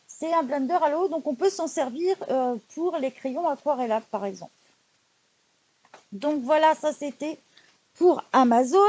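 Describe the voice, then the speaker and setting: A woman presenting her recent craft purchases in a casual, chatty haul video, often pausing on fillers. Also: high voice, a little mellow. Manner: chatty, many hesitation fillers and "donc voilà". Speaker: craft YouTuber showing purchases.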